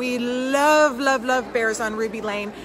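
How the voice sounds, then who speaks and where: Music plays in the background as a woman speaks at a high pitch. Her pace is moderate and her intonation fairly even. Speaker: marketplace host at a fair. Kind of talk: casual live-stream vlog chat. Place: hall. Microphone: phone near.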